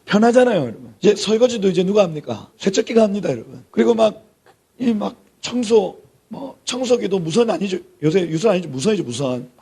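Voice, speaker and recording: A man's voice: high voice, very animated, brisk, gravelly, warm tone, breathy edge. A middle-aged man, a pastor giving a sermon-style lecture, emphatic, repeating key words and dropping to near-whispers for emphasis. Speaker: pastor teaching a theology class.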